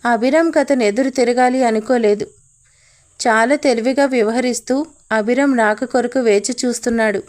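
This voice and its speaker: A woman's voice: fairly high pitch, a little mellow. A woman narrating a dramatic audio story as a storyteller.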